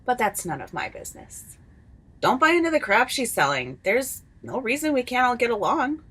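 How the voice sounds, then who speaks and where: A woman's voice: fairly high pitch, big pitch swings, normal speed, fairly bright tone, breathy edge, full character voice. A woman playing a sly wasteland character who reveals a plot in a comedy sketch. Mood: conspiratorial. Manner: conspiratorial, sly, dramatic.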